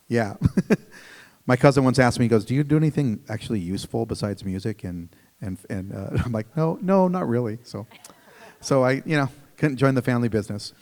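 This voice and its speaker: A man from the United States speaking on a panel in a casual, halting way, with frequent restarts. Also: mid-range voice, expressive, darkish tone. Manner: halting, many restarts, laughs between thoughts. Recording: reverberant hall.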